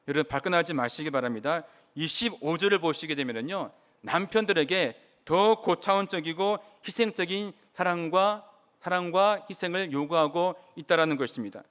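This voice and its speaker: A man's voice: high voice, a bit bright, clean tone. A man preaching a sermon in church as pastor, earnestly putting questions to the congregation. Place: church sanctuary.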